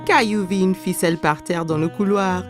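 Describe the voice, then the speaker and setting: A woman narrating a scripted children's story in a clearly phrased storytelling manner. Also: fairly low pitch, normal speed, over music.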